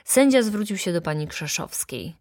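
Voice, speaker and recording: A woman narrating a classic novel as an audiobook in a calm, even storytelling voice. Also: lowish voice, moderate pace, no room sound, clean studio sound. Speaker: audiobook reader.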